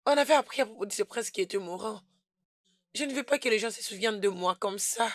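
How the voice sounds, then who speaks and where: A woman dubbing a hesitant young woman who answers softly, in a French film dub. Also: medium pitch, quick pace, no room sound, close to an everyday voice. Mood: reluctant. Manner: soft, hesitant.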